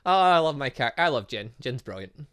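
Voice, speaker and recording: An excitable man commentates over a video game as its host. His voice is bright and forceful, and his pitch jumps around a lot. He breaks into exclamations, then drops into muttered asides. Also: clear, resonant tone. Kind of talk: let's play commentary, reading game text aloud.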